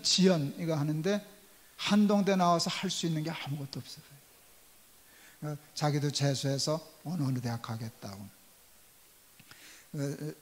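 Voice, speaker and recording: An older man in his sixties, a pastor telling a personal story in a sermon and acting out the quoted dialogue. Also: on the high side. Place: church sanctuary. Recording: long church hall reverb.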